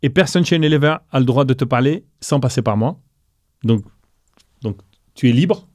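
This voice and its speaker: A middle-aged man recounts a business deal as an interview guest, bringing it to life and voicing the other people in the story. His voice is mellow and warm. The recording is dry and close. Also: medium pitch, normal speed, no echo. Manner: animated storyteller, voices quoted dialogue. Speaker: guest entrepreneur.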